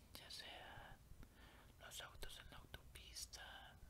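A man is whispering. His words come out in a whisper throughout. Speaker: ASMR creator. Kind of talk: guided relaxation meditation for sleep. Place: home room. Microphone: studio mic.

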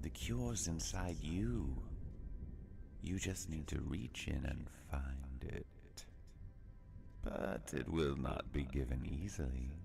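Amid loud background noise, a man puts on a character voice and speaks at a very slow pace. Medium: dub.

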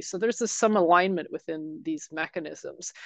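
With vocal fry, a woman speaks at a fairly low pitch. The sound is dry with no echo, and the background is quiet. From Canada, First Nation. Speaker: webinar presenter. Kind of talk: seminar presentation. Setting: video call webinar. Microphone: video call.

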